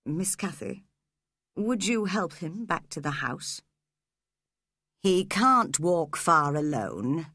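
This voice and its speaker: A woman voicing a cruel, scheming middle-aged man who speaks quietly and coldly. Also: low-pitched, animated, slow pace, no echo, clean studio sound, pitched below the performer's own voice, exaggerated voice. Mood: cold menacing. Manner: quiet, menacing, cold.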